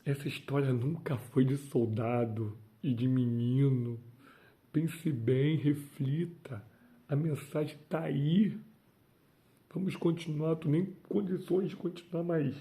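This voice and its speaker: A man's voice: mid-range voice, warm tone. A man preaching a devotional sermon, fervent and emphatic, breaking into exclamations of praise.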